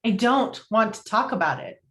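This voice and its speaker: A woman's voice: on the high side, lively intonation, moderate pace, fairly bright tone, roomy sound. A woman playing a hurt, angry lover in a table read of a romantic comedy, with clipped, indignant retorts. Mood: curt, uncomfortable.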